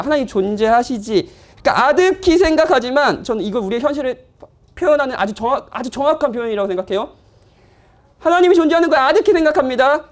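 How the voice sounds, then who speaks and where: A male pastor delivers a sermon in church, talking to his congregation as if in conversation. His voice rises and falls with animated, expressive swings, and he teases his listeners lightly as he goes. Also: very high-pitched. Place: church, afternoon service.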